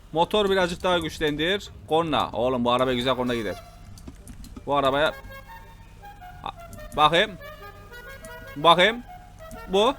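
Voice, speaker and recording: High, bright excitable young man gaming. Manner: excitable, loud exclamations, repeats his lines, laughs often. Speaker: gameplay streamer. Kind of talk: excited gameplay commentary.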